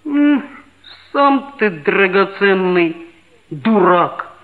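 A woman's voice: mid-range voice, lively intonation, very slow. A woman playing a chatty, teasing red-haired schoolboy who narrates, in 1960s radio drama style. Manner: teasing, needling questions. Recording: tinny old 1960s radio recording.

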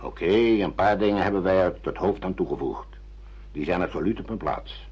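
Very raspy, low-voiced stern old father. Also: moderate pace, a little mellow. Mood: pragmatic. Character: stern older father, pragmatic apologist for the system. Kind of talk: Dutch radio play acting. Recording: dull lo-fi radio play recording.

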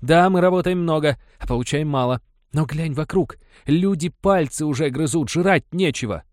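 A man's voice: a little high, moderate pace, a little mellow, dry recording, studio quality, voice pushed up, lightly acted. A man voicing an angry, grumbling middle-aged tribal mother who scolds her son sharply. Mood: irritated.

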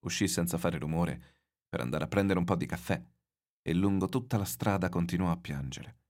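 A man reading a novel aloud in measured, expressive literary narration. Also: low voice.

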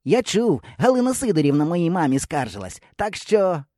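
A man's voice: a little high, big pitch swings, brisk, warm tone, no echo, clean studio sound, pitched above the performer's own voice. A man voicing a cocky, sly village boy in an audiobook. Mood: sly, boastful. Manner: knowing, sly. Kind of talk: audiobook character voice.

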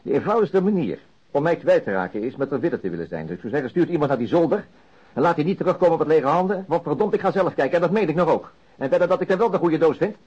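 Brisk, husky, stubborn detective. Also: male voice, on the high side, lively intonation, a little mellow. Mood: stern, insistent. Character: stubborn, dry-humoured male police detective, middle-aged. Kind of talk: Dutch radio drama acting. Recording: muffled archived radio drama recording.

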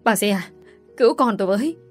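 A man's voice: high-pitched, brisk, soft background music, natural voice. A man voicing a distraught young father who pleads frantically in a narrated story. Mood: frantic.

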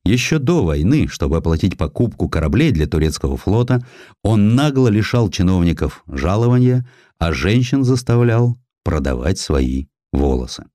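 A man narrating a historical account from a script in an expressive, theatrical storytelling manner, as an audiobook reader. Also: low voice, moderate pace, no room sound, clean studio sound.

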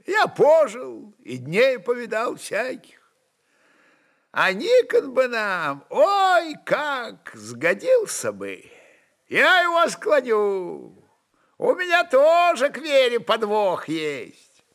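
A man's voice: extremely high pitch, huge pitch swings, slow, a bit bright, pitched above the performer's own voice, full character voice. A man voicing an eager, stubborn old Cossack with mischievous, wistful, rustic folksy speech in a dramatized story reading.

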